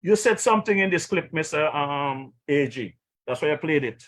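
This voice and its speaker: A man's voice: on the high side, expressive, normal speed, a bit bright. A man with a Caribbean accent giving indignant, emphatic political commentary as the host of a live stream. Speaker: talk show host.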